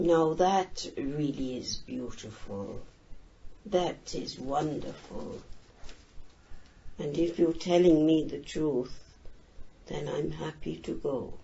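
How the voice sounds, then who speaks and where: A put-on character voice at middle pitch, very slow pace, with long, frequent pauses. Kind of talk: upper-class English hauteur. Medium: solo performance. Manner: imperious, haughty, easily affronted.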